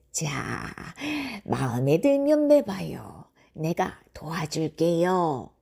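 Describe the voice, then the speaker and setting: A woman's put-on character voice, fairly low in pitch and very slow in pace. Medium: read story. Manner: falsely sweet, coaxing.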